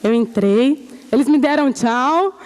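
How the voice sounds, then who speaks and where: High-voiced woman giving testimony. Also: slow. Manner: animated storytelling, acting out the people she quotes. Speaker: church member giving testimony. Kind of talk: church testimony.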